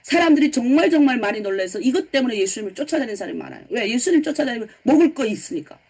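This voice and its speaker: A woman pastor from North Korea preaches in a high voice with a North Korean accent. She is middle-aged and keeps the talk lively, putting questions to her listeners and answering them herself. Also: very fast, breathy edge. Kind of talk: early-morning sermon lecture.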